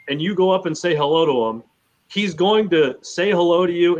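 A man's voice: fairly high pitch, fairly bright tone, rough recording. A man co-hosting a sports podcast in casual conversation, repeating phrases for emphasis.

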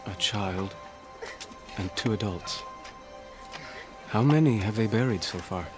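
An actor playing a courteous, self-assured Native American envoy in a radio drama, with a formal and pointed manner. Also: male voice, lowish voice, a little slow, close to an everyday voice. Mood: grim, disdainful. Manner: formal, deferential yet pointed. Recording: radio play with music underneath.

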